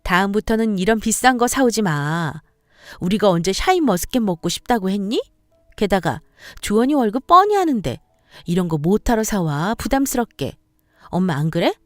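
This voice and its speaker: A woman voicing a sharp-tongued, sarcastic sister-in-law who bosses and belittles her brother's wife. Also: mid-range voice, big pitch swings, normal speed, no echo, clean studio sound, natural voice. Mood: mocking. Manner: sarcastic, bossy, needling.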